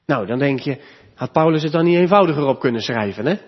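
A man preaching a sermon as pastor, with emphatic delivery that rises and grows louder on key points, recorded in a church. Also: a little high, lively intonation, fast, big-room sound, dull audio.

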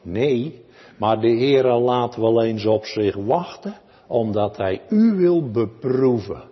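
A man preaching a sermon to his congregation in a church, pleading and swelling then dropping low. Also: animated, takes it slowly, husky, in a large hall, highs cut off. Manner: pleading, swells and drops dramatically. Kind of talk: Reformed sermon.

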